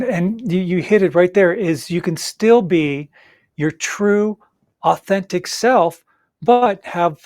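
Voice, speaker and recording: A man's voice: high voice, a little mellow, dry recording, clean studio sound. A man hosting a coaching podcast, agreeing with his guest in an affirming, enthusiastic way. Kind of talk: conversational podcast interview.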